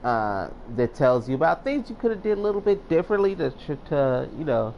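Animated man casually commentating a game. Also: fairly high pitch, fairly quick, creaky, dull audio. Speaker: game streamer. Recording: faint game noise behind voice.

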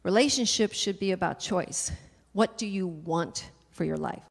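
A woman's voice: on the low side, normal speed, creaky. Emphatic older woman speaking in a roomy hall. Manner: punchy, emphatic, audience-addressing delivery. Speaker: keynote speaker. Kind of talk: motivational keynote speech. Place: large conference stage. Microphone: handheld mic. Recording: roomy hall with long reverb.

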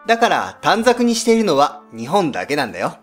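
A man voicing a polite, devoted young man in a scripted educational story, speaking earnestly and gently. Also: a little high, wildly swooping pitch, a little fast, soft background music. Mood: tender, earnest.

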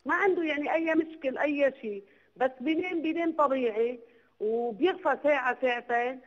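A woman with a Lebanese accent calling into a TV show by phone, asking a hurried, repetitive question. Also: high-pitched. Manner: hurried, repeats herself. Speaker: caller. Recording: dull phone line.

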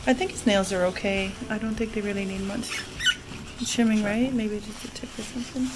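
A woman's voice: mid-range voice, steady tone, fairly quick, reverberant, recorded from a distance, background noise. A middle-aged woman, a pet vlogger explaining things in a casual, chatty way.

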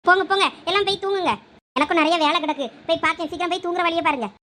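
A woman's voice: very high voice, bright, forceful tone, slight background noise. A woman playing a busy mother who firmly sends everyone to bed before a wedding, in a village drama skit. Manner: firm, hurried.

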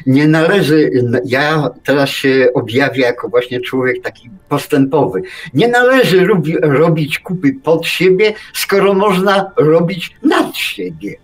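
A man's voice: a little high, a little slow. A man in casual radio banter, putting in wry, jokey remarks. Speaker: radio show co-speaker.

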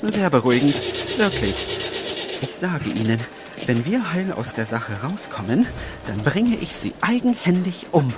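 A man's voice: on the high side, sing-song, a little slow, heavy background noise. An actor playing a flustered, exasperated man in a crime radio play, agitated, grumbling and sarcastic. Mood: sarcastic, tense.

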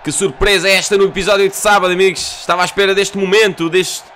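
A young Portuguese man commentating a video game in an excitable, loud way, swearing and mixing in English phrases, with faint music behind him. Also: sits high, fast talker, slight background noise. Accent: European Portuguese. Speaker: gaming youtuber.

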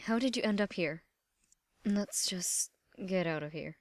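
A woman's voice: lowish voice, a little slow. A woman acting a tough, determined young female adventurer in amateur cartoon audition lines. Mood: concerned.

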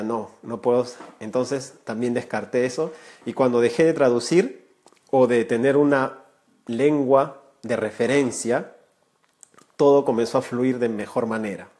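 A man's voice: medium pitch, a little mellow. Earnest man teaching on a live stream. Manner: earnest, gestures with hands, addresses viewers directly. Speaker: Spanish teacher, channel creator. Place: small room indoors, warm lamp light.

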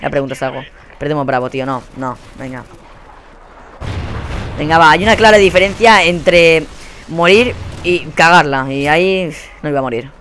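A young man with a Spain Spanish accent giving live gameplay commentary. He rants in a profane, exasperated way and often bursts into yelling. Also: a little high, normal speed, a little hiss or hum. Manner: profane, exasperated ranting with sudden yelled outbursts. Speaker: gaming channel host.

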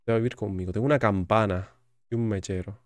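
A man's voice: fairly low pitch, fairly even intonation, quick pace, darkish tone. A man with a Spain Spanish accent giving chatty, joking commentary while playing a video game and reading its text aloud. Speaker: gaming YouTuber. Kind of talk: gaming commentary.

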